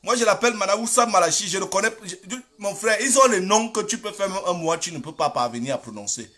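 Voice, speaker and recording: A man's voice: high voice, expressive, quick pace, bright, forceful tone. A middle-aged man with a Cameroonian French accent giving impassioned political commentary, repeating himself and exhorting his listeners. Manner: emphatic, repetitive, exhorting listeners.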